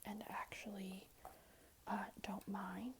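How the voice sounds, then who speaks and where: A woman whispers softly through an ASMR tutorial at a slow, gentle pace. Her voice is all breath, with no voicing. There is clear background noise with small clicks around her. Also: medium pitch, flat delivery. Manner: gentle, unhurried explaining. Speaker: ASMR creator giving a wig styling tutorial. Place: small room at home, indoors.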